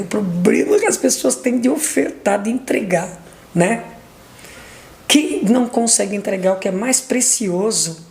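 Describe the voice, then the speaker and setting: A woman's voice: medium pitch, a little mellow, roomy sound. A middle-aged woman giving an emotional personal testimony, retelling what everyone said in long runs of dialogue, with restarts and fillers. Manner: retells dialogue with repeated 'aí eu peguei e falei', restarts and fillers.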